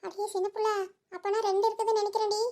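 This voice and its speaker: A jumpy, frightened young village wife. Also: female voice, very high voice, little pitch movement, very fast, mellow. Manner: anxious, exclaims often.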